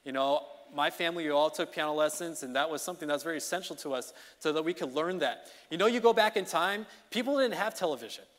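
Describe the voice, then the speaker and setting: Chatty preacher in a reverberant church. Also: male voice, fairly high pitch, quick pace, few pauses. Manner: conversational, energetic, often checks in with "okay?" and "you know". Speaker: preacher and song leader. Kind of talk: informal midweek sermon. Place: church sanctuary. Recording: long reverb of a church hall.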